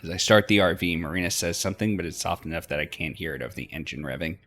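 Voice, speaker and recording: A man reading a visual novel aloud as expressive first-person narration for a let's play. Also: low-pitched, quick pace, soft background music. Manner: acts out dialogue between narrated passages.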